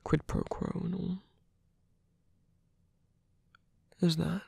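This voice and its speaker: A man playing a tender, teasing villain in an intimate ASMR roleplay, breathy and hesitant, often dropping to a whisper. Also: high-pitched, little pitch movement, no room sound, exaggerated voice. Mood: earnest, vulnerable. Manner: hesitant, halting, soft-spoken. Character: male villain, tender, teasing, smitten with rescuer. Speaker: voice actor.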